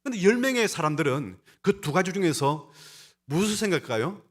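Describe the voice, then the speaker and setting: With a high, sing-song voice and a slightly fast pace, a male pastor preaches his sermon. He talks directly to the congregation, emphatic, his delivery rising and falling.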